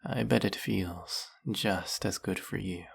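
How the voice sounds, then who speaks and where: A snake-headed villain with a silky, coaxing manner, voiced by a man. His voice sits very low with a gravelly, husky grain, and he takes his time with every word. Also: slow pace, full character voice. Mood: hypnotic. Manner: silky, coaxing, soft-spoken and purring. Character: smooth-talking snake-headed male villain, hypnotist. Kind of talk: audio roleplay.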